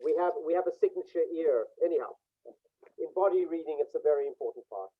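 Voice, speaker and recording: A man with a slightly high voice talks someone through a face reading on a video call. He speaks reflectively, pausing often. The sound is thin and phone-like. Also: lively intonation. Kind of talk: online group session. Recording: tinny phone-like call audio.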